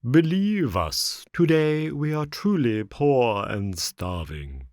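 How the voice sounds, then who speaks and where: A man voicing a sly old fox fallen into beggary, tearful and whining, begging in slow, drawn-out phrases. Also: mid-range voice, big pitch swings, darkish tone, no room sound, clean studio sound, voice pushed up. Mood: pleading.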